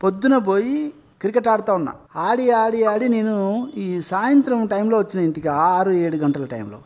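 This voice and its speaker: A man with a Telangana Telugu accent, talking as an interview guest. He tells stories earnestly, acting out the old dialogue. His voice sits high for a man. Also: expressive, moderate pace, darkish tone. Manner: earnest, anecdotal, recounts dialogue. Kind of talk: storytelling in an interview.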